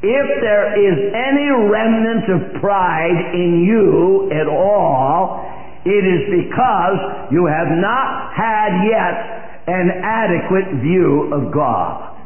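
An older man preaching a sermon with a big, emphatic voice, speaking slowly. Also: high-pitched, lively intonation. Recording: echoey hall on a tinny, phone-like old recording.

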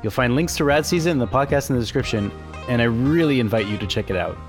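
A man's voice: mid-range voice, expressive, fast talker, over music. Enthusiastic, chatty podcast host man. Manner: enthusiastic, chatty, laughs easily. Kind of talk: casual podcast interview.

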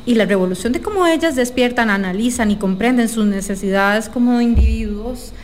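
A woman, talking thoughtfully and softly as a guest in a casual interview. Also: a little high, fairly quick, a little hiss or hum. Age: 30s.

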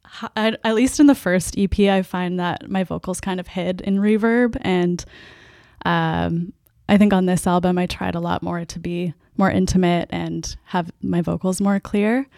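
A soft-spoken Canadian woman, a band's singer and guitarist, answering interview questions with a hesitant, laughing way of talking. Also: on the low side, steady tone, moderate pace, vocal fry, no room sound, studio quality. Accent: Canadian English. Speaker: band's lead vocalist and guitarist.

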